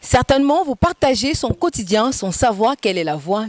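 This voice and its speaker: The speech keeps a moderate pace, with noticeable background noise underneath. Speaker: TV host. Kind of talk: TV show narration.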